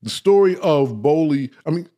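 A man hosting a casual talk show, speaking straight to his audience, often checking in with "right?" and "okay?" and stumbling over his words when he gets excited. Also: a little high, normal speed. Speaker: host. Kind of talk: casual talk, live-stream lecture.

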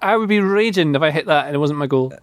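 A man talking football as a pundit and former striker, animated and playful as he breaks down a goal. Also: fairly high pitch, quick pace. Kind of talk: football podcast chat.

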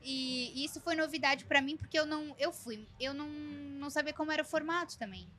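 Animated high-voiced Brazilian woman. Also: brisk. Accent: Brazilian Portuguese. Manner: animated storyteller, laughs often, acts out quotes. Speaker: guest. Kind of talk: casual chat. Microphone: studio mic.

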